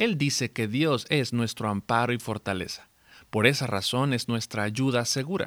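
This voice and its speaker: Using a normal speaking voice, a man talks at a moderate pace and medium pitch with ordinary pitch variation, in a very clean, dry, close recording with a silent background and no echo. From El Salvador. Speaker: podcast host and Bible teacher. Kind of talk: devotional Bible teaching.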